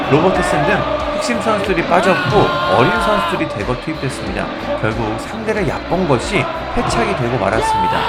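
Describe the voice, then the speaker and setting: A man narrates scripted sports news in a slightly high voice with very lively intonation. He works as a video host, and loud crowd noise sits behind him. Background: loud music and crowd noise.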